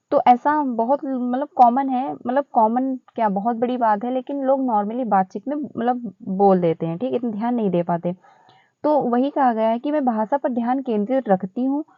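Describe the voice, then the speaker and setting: A woman explaining exam questions in a casual, chatty teaching style, repeating phrases and filling pauses as she goes. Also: fairly high pitch, no echo, dull audio.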